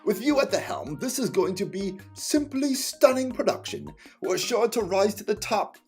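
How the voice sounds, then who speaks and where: Gushing showbiz diva for a game, very high swooping voice, grand and flattering. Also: male voice, soft background music. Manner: effusive, drawn-out, theatrical flattery.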